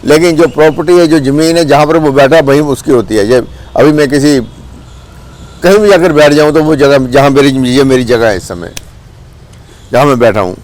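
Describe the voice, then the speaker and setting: A man's voice: on the high side, moderate pace, a little mellow. Brief: Punjabi-accented man, casual vlog monologue, blunt and scolding. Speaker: vlogger. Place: outdoors with birds and a cat nearby.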